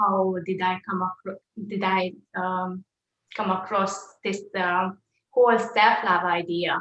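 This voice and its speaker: A woman's very slow speech with a Hungarian accent. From Hungary. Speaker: self-love mentor and life coach. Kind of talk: guest talk on online show. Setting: video call.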